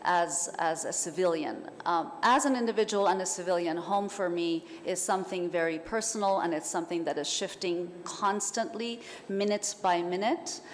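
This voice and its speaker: Thoughtful woman in a reverberant hall. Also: on the low side. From Iran. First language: Persian. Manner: thoughtful, measured, with hesitations. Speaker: panel guest writer. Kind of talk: festival panel talk. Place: hall at a literature festival. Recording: hall reverb, faint noise.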